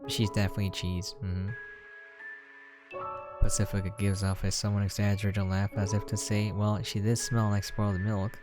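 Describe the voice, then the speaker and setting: A man's voice: on the low side, level tone, moderate pace, music in the background. A man reading a visual novel aloud as a gameplay host, dropping in casual, conversational asides.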